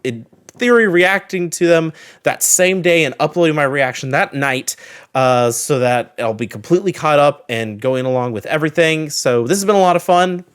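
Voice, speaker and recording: A man's voice: fairly high pitch, expressive, normal speed, clean tone. A man giving a casual reaction and review as a video host, thinking aloud and often trailing off to reword his sentences.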